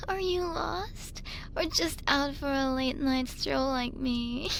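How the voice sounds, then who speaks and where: A woman's voice: high voice, takes it slowly, vocal fry, fairly bright tone, a little hiss or hum, full character voice, rough recording. A woman playing a drunk, lonely young woman in an ASMR roleplay, rambling and giggling her way through a late-night voicemail with tipsy hesitations. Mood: delighted, cooing.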